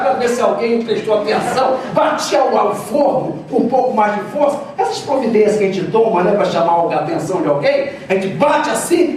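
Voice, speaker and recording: A man giving a public spiritist lecture, retelling scenes with humor and lively storytelling. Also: extremely high pitch. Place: spiritist center hall. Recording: very echoey hall, distant mic, faint noise.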